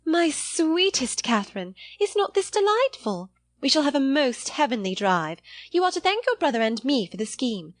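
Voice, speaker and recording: An affected, flattering young lady from a period novel, played by a woman narrator. Her voice swings up high and gushes with excitable enthusiasm. It is recorded close and dry. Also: no echo. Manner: effusive, gushing.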